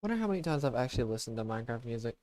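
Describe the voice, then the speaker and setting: A man with a quiet, low-effort voice, chatting casually and haltingly as he live-streams a game. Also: very animated, a little hiss or hum. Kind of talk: casual live-stream chat while gaming. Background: background music.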